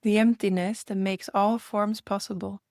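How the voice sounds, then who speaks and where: A woman leading a guided meditation in a gentle manner, speaking in unhurried invitations with long pauses. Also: mid-range voice, little pitch movement, dry recording, studio quality.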